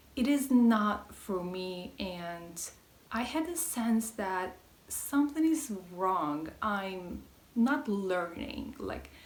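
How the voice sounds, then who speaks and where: Speaking at a very slow pace, a woman with a medium pitch and a somewhat breathy voice swings her pitch very widely, and the room echo is audible. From Turkey. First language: Turkish. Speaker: language learning vlogger. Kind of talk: casual talking-head vlog. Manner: casual with fillers.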